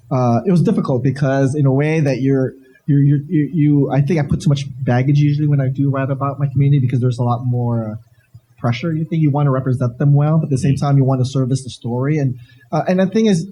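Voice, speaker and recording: Guy on a panel, really mellow dark voice, keeps restarting, faint event noise. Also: mid-range voice, low-quality recording. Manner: hesitant, repeats words, rambling. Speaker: guest panelist, filmmaker. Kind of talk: casual panel discussion. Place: live comic convention panel before an audience. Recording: live event, background noise.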